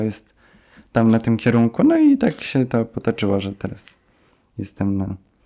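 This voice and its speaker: At a moderate pace, a man speaks in a medium pitch with a dark, mellow tone. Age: 20s. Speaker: university student and musician. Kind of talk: casual chat.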